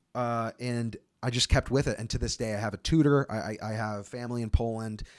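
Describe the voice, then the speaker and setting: At a moderate pace, a man speaks in a medium pitch, the sound dry and close with no echo on a very clean recording with a silent background. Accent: American. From Chicago area, Illinois. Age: 20s. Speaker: YouTuber. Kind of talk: casual live stream chat. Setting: studio. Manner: animated.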